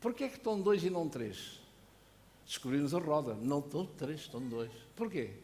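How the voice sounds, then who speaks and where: With a European Portuguese accent, a man speaks at a fairly high pitch and moderate pace, his pitch swinging very widely and broken by long, frequent pauses, amid audible room echo and noticeable background noise. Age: 60s. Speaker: pastor. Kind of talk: sermon.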